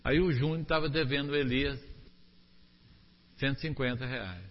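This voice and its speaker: A man preaching a sermon, animated, asking the congregation rhetorical questions. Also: mid-range voice, moderate pace, long reverb tail, highs cut off.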